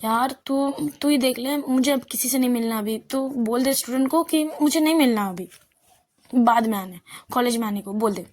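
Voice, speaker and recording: A woman's voice: a little high, normal speed, darkish tone, natural voice. A woman voicing a tired female professor who dismissively refuses to see anyone.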